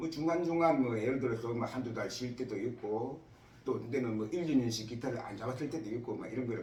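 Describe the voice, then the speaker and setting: Noticeable background noise and audible room echo around a man speaking at a fairly quick pace. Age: 60s. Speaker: retired professional guitarist. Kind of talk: casual talk to camera. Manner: chatty.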